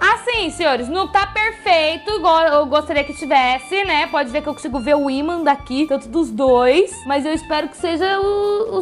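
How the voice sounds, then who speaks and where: Upbeat speech in a São Paulo accent comes at a moderate pace with hardly any pauses, over faint music in the background. Pitch swings are very wide and loudness shifts a lot. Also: woman. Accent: Brazilian Portuguese, São Paulo. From São Paulo, Brazil. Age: 20s. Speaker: YouTuber. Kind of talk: casual talk to camera. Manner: upbeat, chatty. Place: kitchen.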